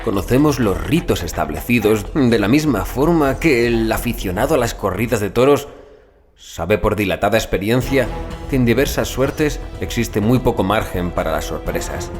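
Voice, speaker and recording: Male audiobook narrator for horror fiction: low register, grave and theatrical, prominent music underneath. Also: expressive, moderate pace. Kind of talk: dramatic scripted horror narration in the first person.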